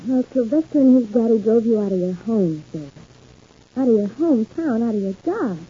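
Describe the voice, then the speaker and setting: A woman's voice: fairly high pitch, lively intonation, a little fast, mellow, husky. An actress playing an eager, indignant small-town American woman in a 1950s radio soap, plain-spoken and pressing with questions. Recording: muffled, phone-like 1950s radio recording.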